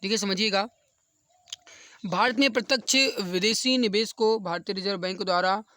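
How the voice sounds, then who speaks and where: High, bright-voiced man teaching. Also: normal speed, dry recording. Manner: repeats key answers and points for emphasis. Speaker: exam coaching teacher. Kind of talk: explanatory quiz lesson for exam students.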